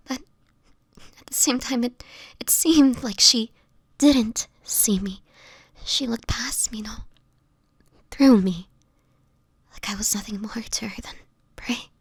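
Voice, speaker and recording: A frail, haunted vampire woman voiced by an actress speaks close and dry, in a breathy near-whisper. She is fearful and sorrowful, halting often as she confides in an audio drama. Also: on the high side, no echo, exaggerated voice. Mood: frightened, shaken. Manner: halting, hesitant storytelling with pauses. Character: sickly, fearful homeless young vampire woman, sorrowful and hesitant. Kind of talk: intimate dramatic audio roleplay monologue.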